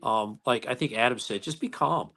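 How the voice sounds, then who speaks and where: Guy cop chatting on a podcast, even-keeled, lots of ums and restarts, mid-pitch voice. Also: moderate pace. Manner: calm, steady, many restarts and fillers. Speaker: police officer guest. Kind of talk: casual interview storytelling.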